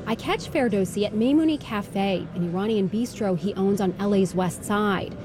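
A woman reporter narrates a news feature in a measured, scripted way. A busy crowd is clearly audible behind her voice. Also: mid-range voice.

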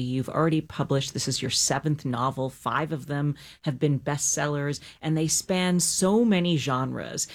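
A woman hosting an interview, asking an author curious, attentive questions. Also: low-pitched. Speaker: interview host.

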